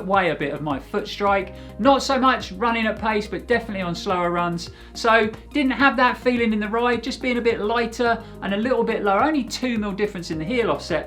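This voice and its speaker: A man hosting his own channel, giving a steady, conversational product review of running shoes to camera. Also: sits high.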